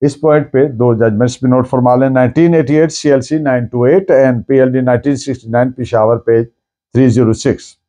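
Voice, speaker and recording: A Pakistani man giving a formal law lecture, speaking deliberately with pauses and mixing in English. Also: mid-range voice, steady tone, warm tone.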